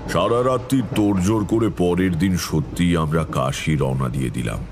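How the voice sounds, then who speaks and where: An actor playing a grave tantric storyteller, narrating a horror tale in a measured, ominous way. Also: male voice, low-pitched, background noise. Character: grave, foreboding tantric storyteller recalling eerie past. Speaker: first-person narrator. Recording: music behind the voice.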